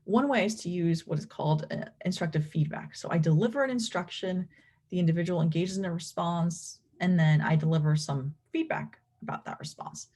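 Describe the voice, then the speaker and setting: Low, husky woman lecturing. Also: brisk, warm tone. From Venezuela. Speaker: clinical professor and behavior analyst presenting research. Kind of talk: explanatory academic lecture.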